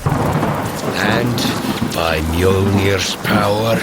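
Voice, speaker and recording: A man's voice: low voice, extremely slow, very noisy. A man playing a bold, earnest thunder god warrior in an audio drama, with a hearty, grandiose, declamatory manner. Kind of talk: audio drama acting for a fitness adventure.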